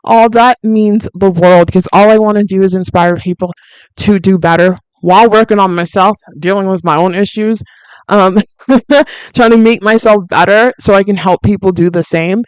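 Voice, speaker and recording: A woman with a deep, soothing voice hosts a fitness livestream in a chatty, candid way, with plenty of fillers and easy laughs. Her tone is smooth and clean, recorded close and dry with no room sound. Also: normal speed, darkish tone, no room sound, low-quality recording. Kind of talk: casual livestream chat reading viewer comments.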